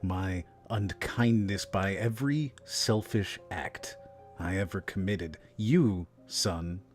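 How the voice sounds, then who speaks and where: A man playing the stern chained ghost of a ruthless businessman in an audio drama, speaking gravely and theatrically. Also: sits low, faint music behind. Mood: grave, ominous. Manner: grave, theatrical, slow and deliberate. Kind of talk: fan audio drama acting.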